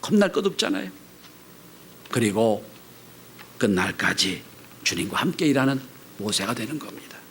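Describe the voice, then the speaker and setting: A man preaching a Sunday sermon as pastor, swinging between loud cries and hushed, whispered lines. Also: medium pitch, big pitch swings, moderate pace, pauses often, slight background noise.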